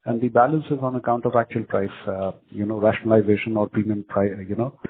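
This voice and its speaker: A man's voice: lowish voice, fairly even intonation, quick pace, a little hiss or hum. A man, a company executive answering analysts on an earnings call, hesitant and full of fillers. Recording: phone-line conference call audio.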